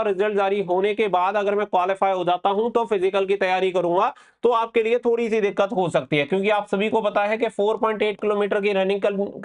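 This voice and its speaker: A man hosting a coaching channel, giving informal, reassuring advice to exam candidates and repeating his points as he explains. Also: high voice. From India.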